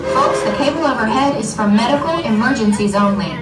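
Against noticeable background noise, a woman talks fairly quickly with lively intonation. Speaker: train safety announcer. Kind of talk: public safety announcement. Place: train. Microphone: pa.

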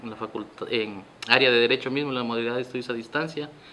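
A man's bright, sharp tone with fairly even intonation over light background noise. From southern Ecuador, Loja province. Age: 40s. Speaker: judge. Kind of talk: interview; interview answer. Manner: halting; formal. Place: office.

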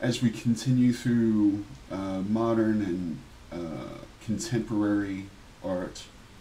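A man with an American accent at a fairly low pitch, with audible room echo and light background noise. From Pennsylvania, Bensalem (Philadelphia area); Pennsylvania. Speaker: art video creator. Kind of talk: narrated photo tour. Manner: casual, frequent filler uhs. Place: home room. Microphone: webcam.

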